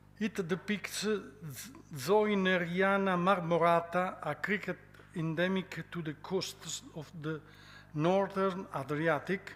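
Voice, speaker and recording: Speaking in an Italian accent, a man has a high pitch and ordinary pitch variation. His pace is very slow. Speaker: museum foundation president. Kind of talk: prepared welcome speech. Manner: halting, reading prepared text.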